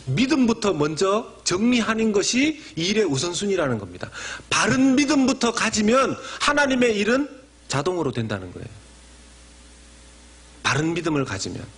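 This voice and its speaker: A man preaching a Sunday sermon as senior pastor, acting out short imagined dialogues in a quieter voice and climbing sharply in pitch and loudness for emphasis. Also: huge pitch swings, moderate pace, breathy edge.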